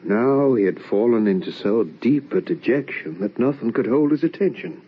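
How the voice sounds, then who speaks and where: An actor playing an anguished, probing young son in an old-time radio drama, with earnest, theatrical, questioning delivery. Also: male voice, mid-range voice, lively intonation, moderate pace, husky. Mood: somber, brooding. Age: young adult. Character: anguished, probing young adult son narrating a ghost tale. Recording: dull, lo-fi old radio recording.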